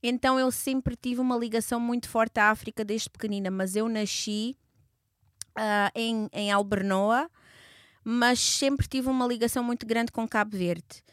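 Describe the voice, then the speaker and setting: A woman's voice: a little high, fairly even intonation, normal speed, no echo, clean studio sound. A woman in her thirties, born in Portugal, speaking as an interview guest in a hesitant, reflective way with frequent fillers and restarts. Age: 30s. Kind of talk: conversational interview.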